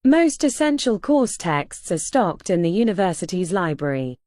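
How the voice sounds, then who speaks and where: A woman's voice: on the low side, very animated, normal speed, dark tone, dry recording, clean studio sound. A woman reading short scripted practice sentences aloud, as in an exam lesson.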